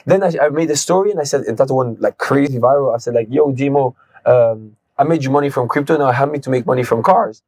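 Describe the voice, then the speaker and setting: A young man from Switzerland talks as an interview guest, racing through his stories with lots of slang. His voice sits at a middle pitch. The sound is close and dry. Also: dry recording. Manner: fast, animated storyteller, slangy ("bro"). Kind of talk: casual interview storytelling.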